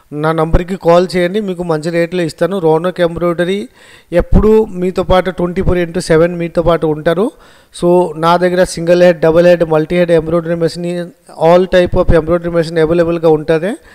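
In a non-native accent, the speech comes out monotone and flat in intonation. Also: man, high pitch for a man. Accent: non-native Telugu. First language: Odia (speaking Telugu). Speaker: embroidery machine seller and trainer. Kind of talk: sales pitch; software tutorial.

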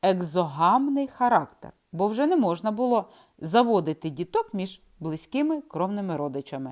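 Very wide pitch swings mark a woman's voice at a fairly slow pace. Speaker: online reader of a history book. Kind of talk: reading aloud. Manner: careful diction.

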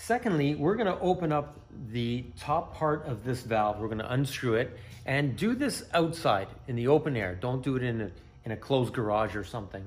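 A somewhat breathy man at a moderate pace. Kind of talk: tutorial. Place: workshop.

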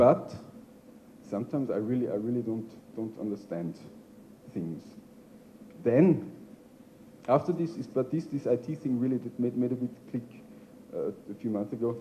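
A man's dark, mellow voice at a medium pitch and moderate pace, lively in intonation, with long, frequent pauses and light background noise. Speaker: development agency head. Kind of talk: opening remarks, self-deprecating. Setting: stage with audience. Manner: humorous, self-deprecating. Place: hall. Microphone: handheld.

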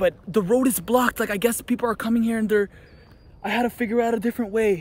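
A man talks at a fairly quick pace in a high pitch. The sound is dry, with no echo. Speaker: vlogger. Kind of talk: casual vlog chat. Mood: nervous, excited. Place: open country. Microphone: phone near.

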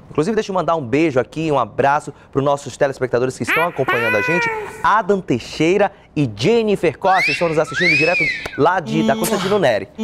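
Very fast speech from a man, with music playing behind him. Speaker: TV news presenter. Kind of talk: live news commentary. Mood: indignant about neighborhood problems. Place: studio. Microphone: lapel.

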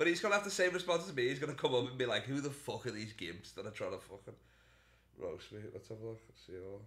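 A man at a very fast pace with a Scouse accent, fairly high-pitched, with very wide pitch swings and big swings in loudness. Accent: Scouse (Liverpool English). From Liverpool, England. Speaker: comedian. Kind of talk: casual chat. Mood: animated, joking storytelling. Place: home room. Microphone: camera far.

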